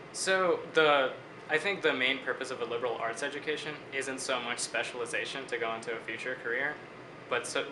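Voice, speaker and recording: A man in his twenties from Bangladesh, a student answering interview questions in a measured, reflective way. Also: medium pitch, roomy sound, background noise. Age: 20s.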